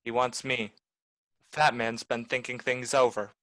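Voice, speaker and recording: A man's voice: mid-range voice, little pitch movement, moderate pace, heavy background noise, lightly acted. An actor playing a cynical, wisecracking private detective in a 1940s noir radio play, talking in clipped, sardonic tough-guy lines. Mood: taunting.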